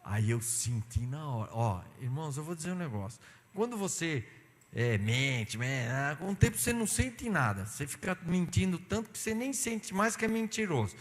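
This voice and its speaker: A man, a pastor, giving an animated sermon and telling stories, acting out dialogue. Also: fairly high pitch, moderate pace. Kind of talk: sermon with personal anecdotes. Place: church sanctuary. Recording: long church hall reverb.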